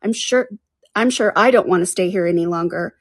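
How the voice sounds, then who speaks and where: A woman's voice: on the low side, brisk, slightly rough, no echo, studio quality. A woman voicing a young storybook girl who muses and reasons with herself in an earnest, chatty way. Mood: determined, wondering. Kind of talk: storybook character voice.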